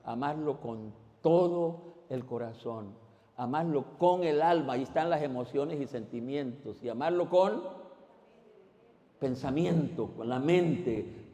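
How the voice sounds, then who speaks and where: A man preaching a sermon as pastor. He questions the congregation directly and swings between loud exclamations and quiet asides. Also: mid-range voice. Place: church. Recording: long reverb in a church hall.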